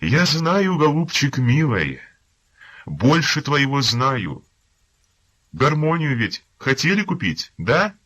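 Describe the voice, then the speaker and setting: A man voicing a brutal, volatile army staff captain who swings between shouting and false tenderness. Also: medium pitch, big pitch swings, slow, pitched above the performer's own voice, heavily acted. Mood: mock gentle.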